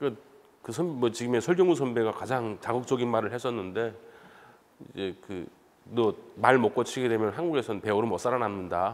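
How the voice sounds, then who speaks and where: Medium in pitch with ordinary pitch variation, a man speaks with long, frequent pauses. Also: moderate pace. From North Korea. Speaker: film director. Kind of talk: interview.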